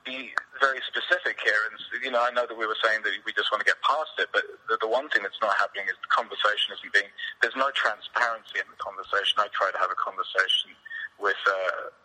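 A man's voice: on the low side, steady tone, quick pace, pushed and bright, rough recording. A man from England with a British accent, speaking as a guest in a candid, rambling interview. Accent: British English. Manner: outspoken, rambling with frequent restarts. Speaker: podcast guest.

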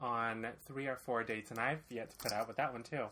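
A man co-hosting a podcast in casual chat, sassy and teasing with quick laughs. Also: mid-range voice, fairly even intonation, bright, forceful tone. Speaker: podcast co-host.

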